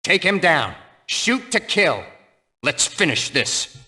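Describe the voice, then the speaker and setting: Game squad leader: commanding, urgent, high and forceful, drawn-out delivery with big swings. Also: male voice, very animated, full character voice. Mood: determined. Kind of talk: video game voice acting.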